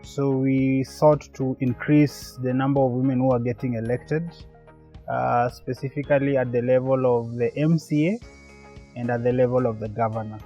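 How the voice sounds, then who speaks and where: A man's voice: mid-range voice, steady tone, normal speed, mellow, lo-fi sound, soft background music. A man explaining a project's work in a documentary interview. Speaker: project representative.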